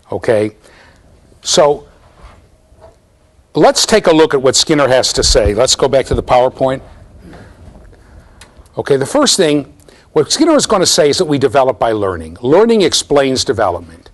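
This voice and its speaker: A man in his fifties lectures to a room of students, his voice sitting in an ordinary middle range. He explains with animated energy and keeps asking "okay?" and "right?" to check that the class is following. The sound is picked up from a camera in a bookshelf-lined classroom. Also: mid-range voice, normal speed, long pauses. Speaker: university lecturer.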